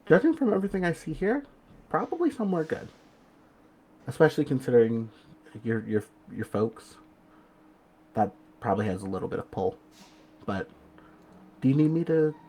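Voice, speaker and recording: A man's voice: a little high, very animated, normal speed, long pauses, warm tone, slight background noise, voice pushed up, rough recording. A man as a kindly, hesitant young female guide. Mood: kind, casual. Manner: hesitant, reassuring.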